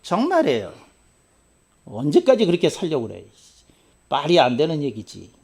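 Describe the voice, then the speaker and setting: A male pastor delivering a sermon, swinging between loud, shouted outbursts and quiet, wry asides. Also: a little high, huge pitch swings, moderate pace, gravelly, slightly rough.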